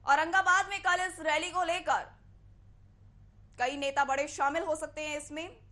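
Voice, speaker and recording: A woman's voice: high-pitched, fairly even intonation, a little slow, sharp tone. A woman news anchor presenting the news and putting questions to a correspondent.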